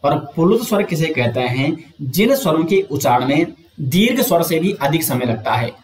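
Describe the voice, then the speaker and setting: A man teaching an exam coaching lesson, explaining step by step, asking and answering his own questions, and drawing out sounds slowly to show them. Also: fairly high pitch, lively intonation, echoey room.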